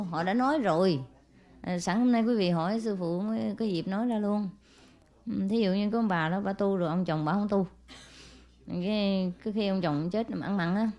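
A woman's voice: medium pitch, dark tone. A woman spiritual teacher giving an informal talk to followers, telling a story with many small fillers and checks on whether listeners follow. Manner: chatty, frequent "ừ" and "à" fillers, asks listeners "hiểu chưa?"; switches to brisk, scolding asides to attendants.

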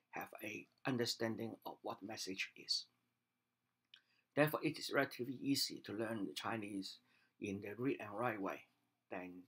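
Husky older man teaching at his webcam. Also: on the low side, a bit bright. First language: Cantonese. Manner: measured, plain explaining with pauses and restarts. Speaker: language teacher. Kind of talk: unscripted video lesson. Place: home study with bookshelves, indoors. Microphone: webcam at desk.

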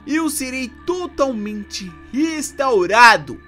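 This is an ancient demon king, cold and calculating, voiced by a man reading an anime recap. He speaks slowly and deliberately from a lowered register. The pitch still moves widely, and faint music sits underneath. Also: very animated, pushed and bright, full character voice. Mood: cold scheming.

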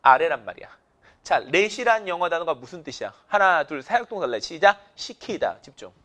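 A male English teacher delivers an energetic vocabulary lecture, counting students in and drilling them with call-and-response cues. His voice is on the high side, at a normal speed.

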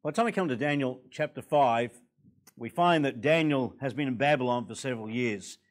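A hoarse older Australian man preaching a sermon from a church pulpit microphone. His voice sits at an ordinary middle pitch and grows forceful and emphatic as he presses his points. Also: fairly quick. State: hoarse from a cold. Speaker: guest preacher. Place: church hall, indoors.

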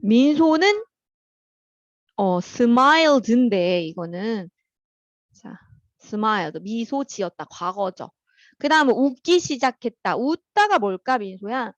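A woman teaching an English vocabulary class. She calls on students by name, explains words in Korean, and reads the English example sentences slowly and carefully. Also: on the high side, expressive, no echo, muffled recording.

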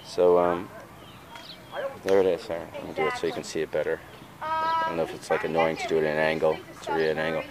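Low-voiced man touring his flea market tables. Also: big pitch swings, fast talker, pauses often, a crowd in the background. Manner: chatty, rambling. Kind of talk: casual vlog walkthrough. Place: outdoor street fair. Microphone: handheld camera.

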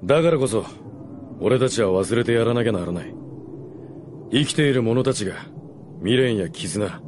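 An actor playing a blunt, cynical mercenary in a radio drama, with a curt, world-weary manner. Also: male voice, on the low side, expressive, moderate pace, noisy background, natural voice. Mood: cynical, resigned. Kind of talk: Japanese radio drama acting.

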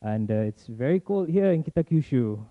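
A young man presents to a forum audience, talking fast in casual bursts. His voice sits at a middle pitch. The sound is narrow and tinny, like a phone line, with no room echo. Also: lively intonation. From Malaysia. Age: young adult. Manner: talks fast in bursts, chatty and informal. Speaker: forum speaker.

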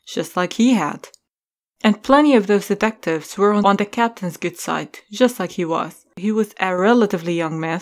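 A woman narrating a scripted story as the narrator of an audio drama. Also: mid-range voice.

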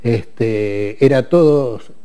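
An older Argentine man in his eighties speaks as a studio guest. His voice is dark and mellow at a middle pitch. He talks haltingly, with frequent fillers and restarts, on a lapel mic. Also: clear, resonant tone. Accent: Argentine Spanish. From Córdoba, Argentina. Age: 80s. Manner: hesitant, many fillers and restarts. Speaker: interview guest, retired military man. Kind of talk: casual interview.

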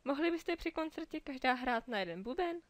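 A woman's voice: high-pitched, lively intonation, dry recording, pitched above the performer's own voice. A woman voicing a fussy, self-important male crab who composes for a royal court, speaking in anxious exclamations. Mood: fretful, proud.

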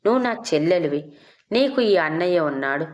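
A woman voicing a young man who gently comforts his sister with reassuring words. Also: on the low side, lively intonation, a little fast, close to an everyday voice. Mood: soothing. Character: young man, a caring protective brother.

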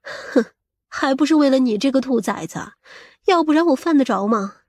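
A woman acts a brash, scheming middle-aged mother in an audiobook drama. Her high voice has a husky edge, and she talks in a boastful, scolding way, vain and coarse-tongued. The sound is dry and close. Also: animated, moderate pace, darkish tone, no echo. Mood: conspiratorial. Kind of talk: audiobook character acting.

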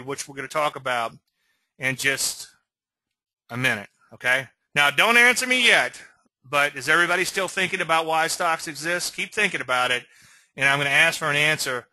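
A middle-aged Cajun man lecturing on trading charts in a folksy, chatty way, tossing in little self-mocking asides. His voice is very bright and forward, close to the mic with a dry, roomless sound. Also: fairly high pitch, no echo, poor audio. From Louisiana. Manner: folksy, asks okay often, self-deprecating asides. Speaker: trading educator. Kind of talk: screen-share webinar lecture.

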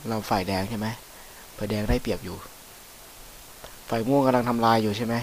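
A man giving casual, chatty commentary over a video game, swearing freely and breaking into excited whoops. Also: fairly low pitch, fairly quick, slight background noise. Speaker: gameplay commentator. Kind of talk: casual let's-play commentary.

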